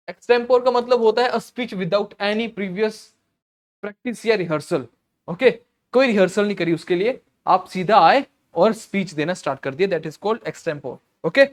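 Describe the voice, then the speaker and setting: Hindi-English exam teacher, clears throat often. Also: male voice, high-pitched. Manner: explains slowly, repeats words, frequent "theek hai" and "okay" checks. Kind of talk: vocabulary lesson in Hindi-English mix.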